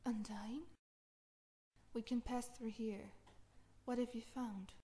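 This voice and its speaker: A woman voicing an earnest young female soldier in a fantasy game, measured and theatrical, with a hall reverb effect. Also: on the high side, steady tone, warm tone. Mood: curious. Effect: studio hall reverb effect. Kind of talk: fan voice audition for fantasy game characters.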